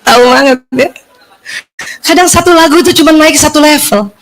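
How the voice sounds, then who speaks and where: A woman giving a lively religious lecture to women, often asking her listeners questions. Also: high-pitched, brisk, soft background music, rough recording.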